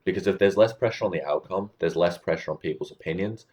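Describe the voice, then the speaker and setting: This communication coach talks fast in a very low voice, addressing the camera with casual advice about communicating. He stays relaxed, explains things simply, and checks in often with "right?".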